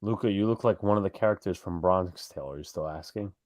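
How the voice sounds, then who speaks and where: A man's voice: low voice, fast, no echo, clean studio sound. A man with a New York accent co-hosting a live fan stream, calling plays and chatting with viewers in a rambling, self-correcting way. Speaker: live stream co-host doing play-by-play. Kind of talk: casual live play-by-play and fan chat.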